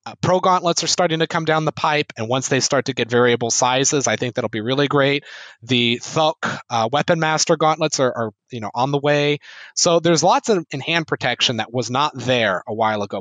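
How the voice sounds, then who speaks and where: A man fencing instructor, a podcast guest, explaining in an earnest, steady way with a few small restarts. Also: mid-range voice, no room sound. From United States. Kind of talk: casual podcast interview.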